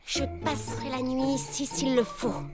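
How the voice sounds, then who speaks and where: An actress voicing an excitable young woman who plays detective in a French cartoon dub, theatrical and full of dramatic exclamations. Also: high-pitched, moderate pace, natural voice. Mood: sleuthing. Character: Baba Hortensia, excitable young woman fancying herself a detective. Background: cartoon music.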